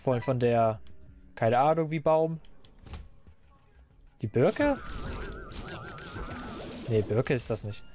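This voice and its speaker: A man doing casual, rambling commentary while playing a game, a little hoarse and stuffy, into a desk microphone. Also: mid-range voice, takes it slowly, long pauses, music in the background. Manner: chatty, rambling, self-mocking. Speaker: let's player.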